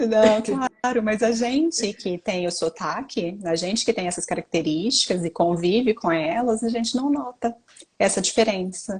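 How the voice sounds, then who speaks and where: A woman's fairly high, somewhat breathy voice rises and falls with lively intonation. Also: moderate pace. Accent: Minas Gerais. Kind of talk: live interview conversation. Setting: online live stream.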